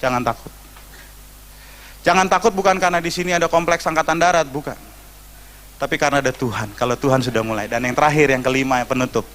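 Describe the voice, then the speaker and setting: Indonesian male pastor, fairly high voice, preaches by telling stories and putting on voices, with joking asides. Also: fairly even intonation, fast talker, fairly bright tone. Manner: storytelling, acting out quoted voices, joking asides. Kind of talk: sermon.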